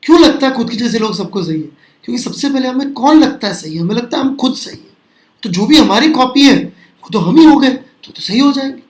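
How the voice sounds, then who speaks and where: A man's voice: extremely high pitch, expressive, fairly quick. Hindi-speaking male physics teacher, echoey room. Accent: Indian English. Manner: rhetorical, asks and answers own questions. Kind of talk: classroom lecture. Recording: echoey classroom.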